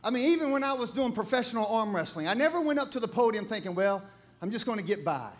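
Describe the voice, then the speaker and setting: A middle-aged male pastor, preaching a sermon full of humorous, animated stories and bursts of shouting. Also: very high voice, quick pace. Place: church.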